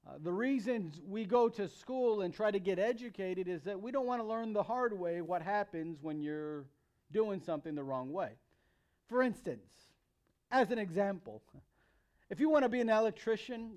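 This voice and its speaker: A man's voice: high-pitched, darkish tone. A man in his thirties with an American accent gives a sermon to young people as their pastor, conversational and emphatic, repeating phrases for emphasis. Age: 30s. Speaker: youth pastor preaching.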